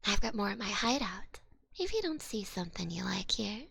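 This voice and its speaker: A woman voicing a little old goblin swindler in an ASMR roleplay, with a breathy, gravelly voice and folksy, wheedling patter. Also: medium pitch, animated, moderate pace, a bit bright, exaggerated voice. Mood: gently threatening. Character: cute little old goblin swindler, smooth-talking, slyly menacing.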